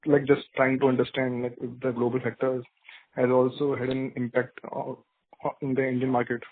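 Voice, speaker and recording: A man asking a question as an analyst on an earnings call, halting and restarting his phrases. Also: medium pitch, completely flat delivery. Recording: narrow tinny phone line.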